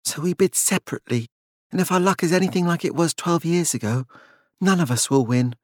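A man's voice: on the high side, brisk, darkish tone, no room sound, studio quality, voice pushed up, close to an everyday voice. A man voicing a serene, scheming lady in a story, speaking in a composed murmur. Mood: conspiratorial murmur.

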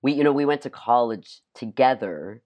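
Actor as interview guest, medium-pitched voice, loose conversational delivery with halting phrases and frequent "like". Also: animated, muffled recording. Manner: halting, peppers speech with "like". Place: at home, remote session.

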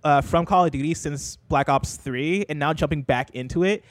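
A man telling a rambling anecdote in a casual group discussion, with many pauses and restarts. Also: fairly high pitch, dry recording. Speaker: podcast panelist.

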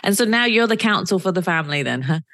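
A woman hosting a podcast interview in a relaxed, friendly way, chiming in with quick affirmations. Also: mid-range voice, no echo, clean studio sound. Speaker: podcast host.

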